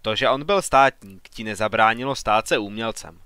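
A man's voice: lowish voice, pushed and bright, smooth, no echo. A man voicing an ambitious young man who argues earnestly and with growing irritation in an audiobook. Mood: earnest, heated. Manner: earnest, argumentative.

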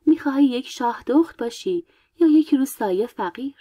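A proud, vain young queen, voiced by a woman reading a storybook aloud, speaks with easy self-assurance. The voice sits a little high and stays soft and mellow rather than bright. It is recorded close and dry, with no room sound. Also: expressive, dry recording. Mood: playful. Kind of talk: audiobook character voice.

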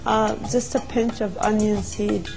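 A woman's voice: mid-range voice, little pitch movement, measured pace, vocal fry, music in the background. A woman speaking in a level, matter-of-fact way about her family's health practices. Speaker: interviewee. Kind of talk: personal testimony.

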